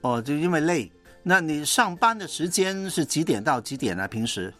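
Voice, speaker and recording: A man's voice: on the high side, sing-song, moderate pace, a bit bright, soft background music. A man from Guangdong with a Cantonese accent hosts a radio phone-in conversationally, encouraging and often echoing what he is told. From Guangdong, southern China. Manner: encouraging, asks and echoes back. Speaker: Christian radio host.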